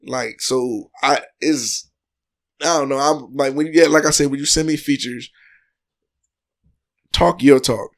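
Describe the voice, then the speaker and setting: A man telling stories in a casual podcast chat, animated and heavy on profanity. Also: mid-range voice, measured pace, gravelly, pauses often.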